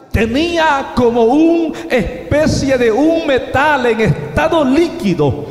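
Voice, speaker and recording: A man preaching a dramatic testimony sermon, swinging from hushed to shouting. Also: extremely high pitch. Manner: impassioned, swings between hushed and shouting, keeps calling "hermano". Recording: echoey hall with long reverb.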